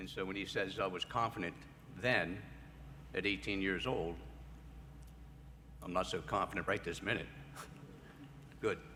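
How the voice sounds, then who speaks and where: A man with an American accent talks at a moderate pace and a fairly low pitch, with ordinary pitch variation. He takes long, frequent pauses, and there is audible room echo. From Edgewood, Maryland, US. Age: 70s. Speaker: hall of fame inductee, businessman. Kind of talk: acceptance speech. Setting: auditorium ceremony with audience.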